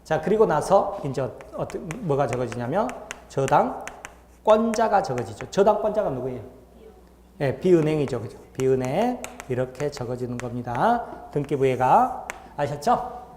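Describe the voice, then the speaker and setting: A man with a fairly high, sing-song, darkish voice lectures a law class a little slowly, with slight background noise. He works through the material step by step and keeps asking students check-in questions, all in a roomy, echoey lecture hall.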